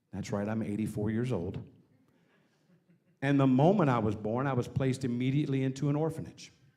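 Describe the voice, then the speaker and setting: A man with a dark, mellow tone speaks fairly quickly at medium pitch with ordinary variation, and room echo is audible. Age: 50s. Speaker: guest preacher. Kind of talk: sermon.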